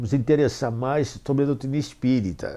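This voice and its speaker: A dark, mellow tone carries the words. Pitch shifts in an ordinary way, at a moderate speed. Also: man. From Brazil, southwestern Minas Gerais. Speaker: spiritist speaker recalling a medium. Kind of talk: testimony talk at an event. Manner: halting, with repetitions.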